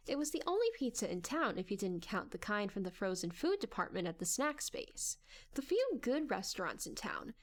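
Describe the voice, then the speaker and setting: A woman reading scripted story narration in a dramatic audiobook style. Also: a little high.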